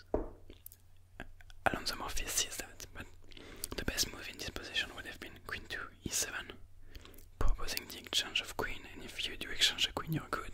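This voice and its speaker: Whispering at a fairly quick pace, the speaker leaves long, frequent pauses. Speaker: chess explainer. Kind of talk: ASMR chess game walkthrough. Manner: whispered. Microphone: studio mic.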